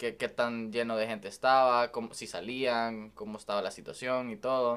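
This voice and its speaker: A man with a Salvadoran accent and a medium pitch speaks at a fairly slow pace with fairly even intonation, on a very clean recording with a silent background. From El Salvador. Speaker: engineering student. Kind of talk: casual chat.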